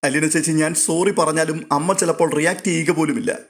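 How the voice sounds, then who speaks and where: A man's voice: fairly high pitch, steady tone, a little fast, pitched above the performer's own voice, natural voice. Man putting on a sulky teenage girl.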